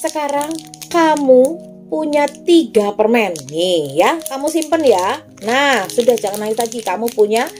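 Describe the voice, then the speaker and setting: A woman's voice: on the high side, lively intonation, unhurried, a little mellow, soft background music, pitched above the performer's own voice. A woman doing a flustered, coaxing kindly man. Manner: fussing, coaxing, repeating exclamations. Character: kindly fussing middle-aged man, flustered.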